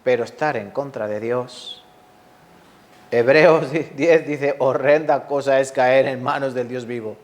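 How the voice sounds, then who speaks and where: A man preaching a sermon, lively and full of rhetorical questions to the congregation. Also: medium pitch, slow. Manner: lively, asks the audience rhetorical questions, acts out quotes.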